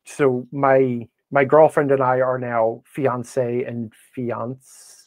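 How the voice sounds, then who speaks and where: An American man chatting casually as a podcast guest, rambling and self-deprecating, with an animated, ranting way of talking. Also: mid-range voice, slow, no room sound. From Wisconsin, United States. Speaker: podcast guest, blogger and game designer. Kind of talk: casual interview chat.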